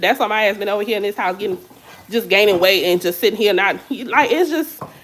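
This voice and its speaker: Animated woman at a medium pitch, speaking very fast with lively intonation over noticeable background noise. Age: 30s. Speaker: lifestyle vlogger. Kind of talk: casual chat while cooking.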